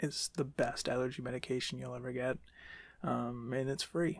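A man's somewhat breathy voice at a moderate pace, in a dry sound with no echo. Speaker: plays a recruiter interviewer. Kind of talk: role-play interview questions, casual.

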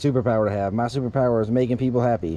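The speech is very fast, the sound is dry with no echo, and light background noise can be heard. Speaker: reseller. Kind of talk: casual unboxing vlog chat. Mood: cheerful, friendly. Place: street. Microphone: phone near.

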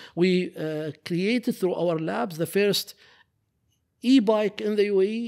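The speaker has an Arabic accent. The background is quiet. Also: man. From UAE (Sharjah). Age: 50s. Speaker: technology park executive. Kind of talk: interview. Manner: repetitive stammering restarts. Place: studio. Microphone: studio mic.

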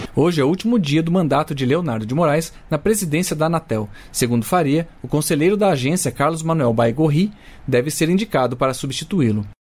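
Speaking in a Brazilian accent, a man talks fairly quickly with lively intonation and very even loudness. His voice is fairly high and somewhat breathy. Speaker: news reader. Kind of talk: formal news reading. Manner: formal; steady, measured.

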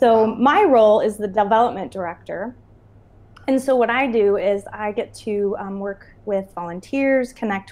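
Intonation stays fairly even. The pace is moderate. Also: woman. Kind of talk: interview answer. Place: cafe. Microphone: earbuds.

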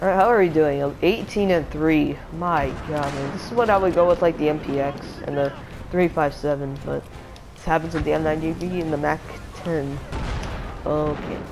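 A woman speaks at a moderate pace in a very deep, low pitch with ordinary pitch variation. Noticeable background noise is present. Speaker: gamer. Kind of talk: live gameplay commentary. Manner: excitable, casual.

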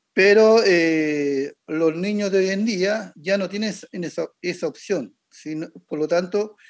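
Against a quiet background, a man with a Chilean accent speaks at a high pitch with ordinary pitch variation. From Mapuche community, southern Chile. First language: Mapudungun (speaking Spanish). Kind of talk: formal presentation to a commission. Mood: earnest, appealing. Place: home room. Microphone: earbuds.

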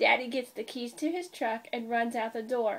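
High-pitched female speech. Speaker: preschool teacher. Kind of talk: read-aloud storytelling for children. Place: home room. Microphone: webcam.

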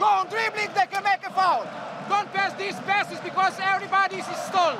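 With crowd noise behind him, a man projects a raised voice at an extremely high pitch and a moderate pace, the sound dry with no echo. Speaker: handball coach. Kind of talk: team talk, then interview. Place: stadium.

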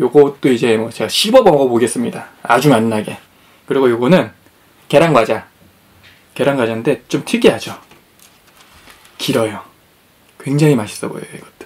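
A man at a moderate pace, with ordinary pitch variation, long, frequent pauses and big swings in loudness. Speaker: mukbang host. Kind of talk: casual vlog chat. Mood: cheerful, playful. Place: studio.

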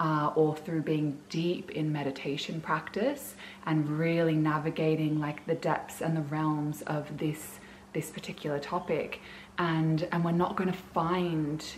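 There is light background noise as a woman talks at a fairly slow pace. Her voice is very deep and low, with monotone, flat intonation. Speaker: wellness vlogger. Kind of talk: casual vlog chat. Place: home room. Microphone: phone near.

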